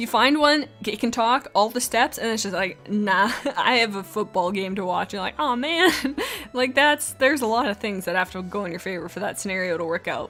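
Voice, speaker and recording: A woman speaks at a fairly quick pace in a fairly high pitch, her tone animated and her intonation lively. Music plays in the background. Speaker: streamer. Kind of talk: casual livestream commentary. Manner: fast.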